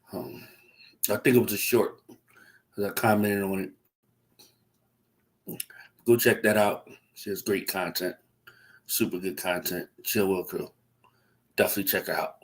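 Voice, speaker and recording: A man's voice: on the low side, fairly even intonation, measured pace, long pauses. A young adult man with a stuffy, congested voice, hosting a casual livestream chat and rambling with lots of fillers and restarts. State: congested from a cold. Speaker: livestream host.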